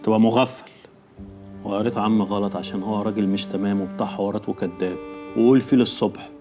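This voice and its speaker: Actor as a brisk, low-voiced hustler lecturing a younger relative, TV drama with music under. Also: male voice, fairly even intonation, lightly acted. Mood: scornful. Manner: fast, scolding, coaxing.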